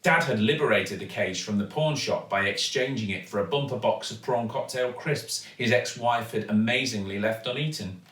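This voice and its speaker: Give me a male storyteller with a bright, dramatic delivery for children, recorded in an echoey room. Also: on the low side. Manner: dramatic, deliberate emphasis. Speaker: actor reading a children's story. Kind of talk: expressive storybook narration. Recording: echoey room, distant microphone.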